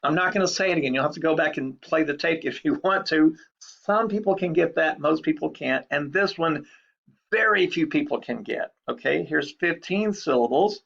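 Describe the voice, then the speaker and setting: A man's voice: on the high side, normal speed, creaky, fairly bright tone. A man giving a recorded lecture in a chatty, explanatory way, repeating key points. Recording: dull lo-fi recording.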